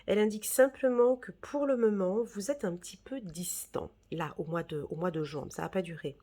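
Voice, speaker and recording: A woman's voice: mid-range voice, normal speed, warm tone. A woman giving a casual, reassuring tarot reading, full of fillers and "d'accord?" checks. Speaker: tarot reader.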